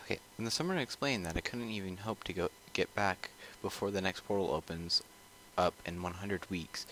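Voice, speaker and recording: A man's voice: sits low, slight background noise, rough recording. A man reading a visual novel aloud as he plays, stumbling and rereading lines between casual asides. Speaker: video game player. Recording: loud music over the voice. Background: loud game music.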